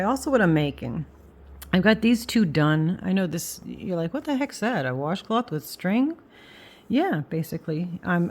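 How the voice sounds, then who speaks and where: An older woman chatting casually as a craft vlogger, halting and thinking aloud, her s sounds whistling through her teeth. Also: lowish voice, darkish tone. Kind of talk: casual rambling chat.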